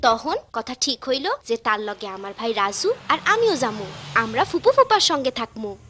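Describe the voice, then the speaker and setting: A woman's voice: a little high, big pitch swings, moderate pace, a bit bright, slight background noise. A woman voicing a brave young village girl in a cartoon, narrating earnestly. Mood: wistful. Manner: earnest, storytelling. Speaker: narrator and lead character. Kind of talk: dubbed cartoon acting.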